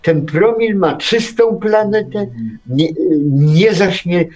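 An older man on a talk show panel, discussing casually in a sardonic, halting way. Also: high voice, darkish tone.

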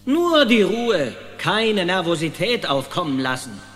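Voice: mid-range voice, sing-song, measured pace. A performer playing a resolute, dramatic woodworm leader giving orders in a children's audio drama. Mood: reassuring, determined. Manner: commanding, dramatic. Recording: long reverb with music behind.

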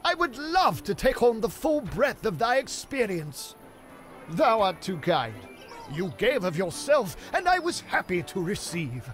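Flamboyant game knight, camp, theatrical, very high voice, swoops up and down. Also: male voice, huge pitch swings, a little slow, a bit bright, soft background music, full character voice. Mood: flattering. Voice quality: high, theatrical mock-Elizabethan delivery. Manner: camp, preening, full of double meanings. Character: flamboyant, innuendo-prone medieval male knight, theatrical. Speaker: voice actor. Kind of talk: video game voice lines.

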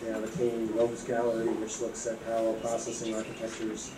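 A man's voice: on the low side, monotone, moderate pace. A man in his fifties giving a guest lecture, explaining steadily into a handheld mic with "you know" fillers. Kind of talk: explanatory talk. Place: university seminar room. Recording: echoey room from a distance, clear background noise.

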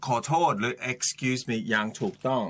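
Slightly hoarse man teaching on radio. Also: medium pitch, fairly even intonation, quick pace, fairly bright tone. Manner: teacherly, explains words patiently, mixes English and Thai. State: slightly hoarse throat, coughing. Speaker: radio English-teaching co-host. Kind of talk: casual bilingual radio chat. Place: radio studio.

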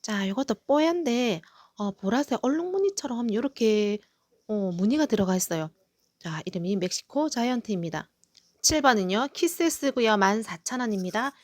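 A woman's voice: on the high side, expressive, normal speed, dry recording. A middle-aged woman hosting a live sale of potted succulents, cheerfully listing each plant and its price. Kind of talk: live sales presentation.

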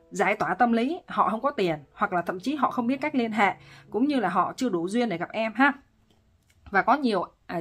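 A woman relationship counselor giving casual advice, talking with lively emphasis and frequent laughter. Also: medium pitch.

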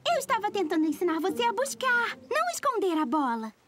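A woman's voice: extremely high pitch, sing-song, quick pace, loud music behind the voice. A woman with a Brazilian accent voicing a bubbly, easily exasperated young girl in a cartoon dub, emphatic, scolding and coaxing. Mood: patient scolding. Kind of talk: animated cartoon dubbing.

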